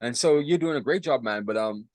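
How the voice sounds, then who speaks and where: A man hosting an interview who talks quickly and with force, repeating his key phrases. His voice is mid-pitched and the recording is close and dry. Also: expressive, a little mellow, no echo. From Caribbean. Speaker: host, interviewer. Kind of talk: interview conversation.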